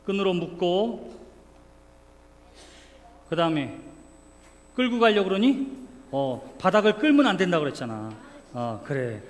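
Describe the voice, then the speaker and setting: Speaking unhurriedly with long pauses, this pastor's high voice swings widely in pitch. He coaxes the children playfully and uses their names during a children's sermon with a live demonstration, in a church sanctuary whose reverberant hall carries faint room noise.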